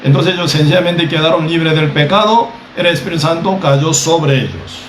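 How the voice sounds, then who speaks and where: A Costa Rican man preaches a measured sermon in a voice pitched a bit higher than usual, frequently tossing in "¿verdad?" to check in with listeners as he teaches. The audio is roomy and echoey, with faint background noise.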